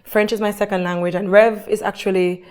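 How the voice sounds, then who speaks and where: A woman's voice: mid-range voice, flat delivery, a little fast, darkish tone, clear, resonant tone. A woman being interviewed who tells her story in an earnest, faith-filled way. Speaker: guest. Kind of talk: conversational interview.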